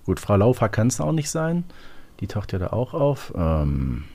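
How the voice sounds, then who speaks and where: Lively, expressive man with swooping intonation. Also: lowish voice, unhurried. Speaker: podcast co-host and quiz player. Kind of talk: casual guessing-game chat.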